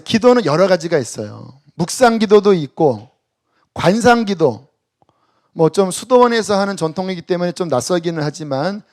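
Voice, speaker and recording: A man pastor preaching a sermon at a church worship service, swinging from loud exhortation to hushed near-whispers and leading the congregation in reading scripture aloud. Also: fairly high pitch.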